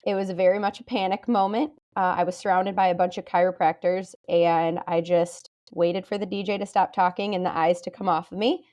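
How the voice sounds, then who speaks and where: A woman in her thirties, a chiropractor guest on a podcast, telling her story in a relaxed, candid, self-deprecating way. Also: lowish voice, fairly quick, few pauses.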